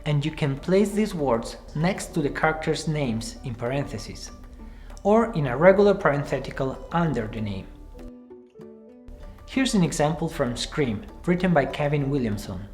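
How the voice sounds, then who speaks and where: A man in his thirties presenting a scripted screenwriting tutorial to camera from a small room, speaking in a clear, measured way. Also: on the high side, expressive, faint music behind. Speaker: screenwriting teacher. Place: small room with cards pinned on the wall.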